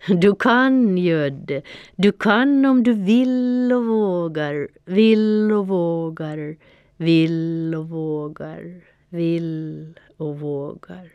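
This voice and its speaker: A woman voicing a mysterious black tomcat calling from the sky, repeating his words slowly as they fade. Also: mid-range voice, lively intonation, smooth, no echo, muffled recording, voice pushed up, natural voice. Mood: encouraging. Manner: slow, repeating words in a fading chant. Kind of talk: storybook reading.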